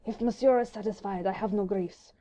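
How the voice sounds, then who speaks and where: A woman's voice: mid-range voice, steady tone, a little fast, warm tone, close to an everyday voice, low-quality recording. A woman voicing an offended French nobleman who speaks with stiff, formal dignity. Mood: dignified.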